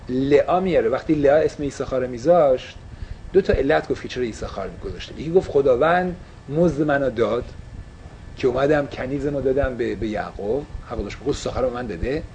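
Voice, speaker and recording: A man's voice: mid-range voice, darkish tone, slight background noise. A man teaching a casual religious class, asking his listeners questions and slipping English phrases into his talk.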